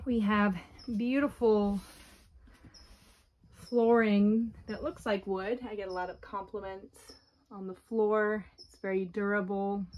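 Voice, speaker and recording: A woman giving an unhurried walkthrough tour of her camper, plainly pointing out features one by one, recorded on a handheld phone inside the trailer. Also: medium pitch, darkish tone. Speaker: owner giving a home tour.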